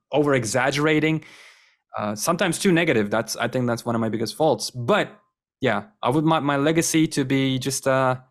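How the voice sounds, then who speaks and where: A young man whose first language is Turkish, a guest chatting casually in an interview, enthusiastic and rambling with lots of fillers. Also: medium pitch. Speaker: guest, wrestling content creator.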